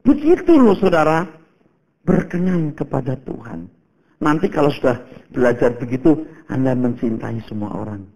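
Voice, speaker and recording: A man in his fifties from Indonesia preaching a sermon as a pastor, telling stories in a casual, animated way and calling the congregation "saudara". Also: medium pitch, normal speed, gravelly, breathy edge, low-quality recording. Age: 50s. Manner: animated storytelling, shifts between loud exclaims and hushed prayer.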